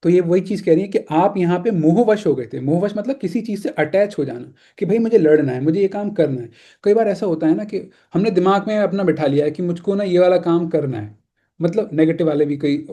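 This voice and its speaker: A young man teaches an online scripture class over a video call, his voice very mellow and a little higher than most men's. He talks in a casual, conversational way, often asking listeners whether they follow. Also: brisk. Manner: conversational, mixes English words, asks "है ना?".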